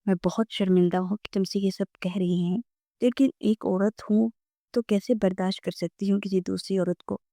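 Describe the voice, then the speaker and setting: Woman reading anxious fiancée, earnest, pleading, warm voice, dry sound. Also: mid-range voice, steady tone, dry recording, close to an everyday voice. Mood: apologetic.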